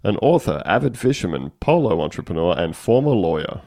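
A man's voice: deep voice, big pitch swings, a little fast, vocal fry, darkish tone, dry recording, studio quality. A man co-hosting a comedy podcast, reading a news article aloud with wry, sarcastic commentary. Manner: wry, sarcastic, reads quotes aloud with mock voices. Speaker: podcast co-host.

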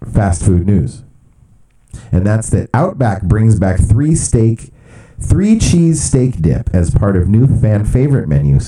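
A male radio host chatting casually and jokily from a studio, rambling and swearing, sometimes putting on a mock booming announcer voice. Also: dark tone.

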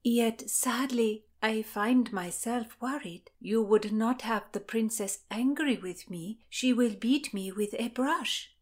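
A woman's voice: fairly high pitch, slow pace, few pauses, pitched above the performer's own voice. A woman voicing a bold, coquettish Elizabethan court lady in an audiobook, playful and courtly. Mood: politely probing. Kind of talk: audiobook character dialogue.

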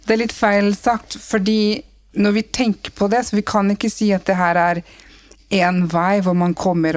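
A woman's voice: lowish voice, no room sound. A woman talking as a podcast guest, blunt and emphatic, switching between Norwegian and English mid-sentence. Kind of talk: casual podcast conversation.

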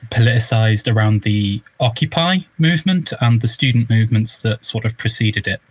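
A man's voice: lowish voice, moderate pace, husky. Hesitant young man from northeast England. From Newcastle, northeast England. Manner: hesitant, many restarts and ums, thoughtful. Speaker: guest, video essay narrator. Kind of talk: casual interview chat.

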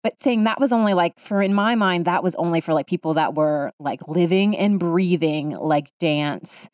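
A woman's voice: fairly low pitch, normal speed, darkish tone, no room sound, studio quality. A woman from Ohio hosting a casual interview, asking long, meandering questions full of fillers. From Ohio, United States. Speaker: host.

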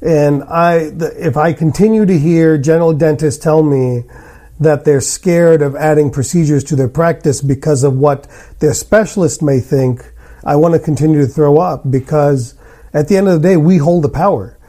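A man with a fairly high voice and a very mellow, dark tone hosts a podcast. He talks conversationally and is blunt and opinionated. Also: normal speed. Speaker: podcast host, general dentist. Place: hotel room.

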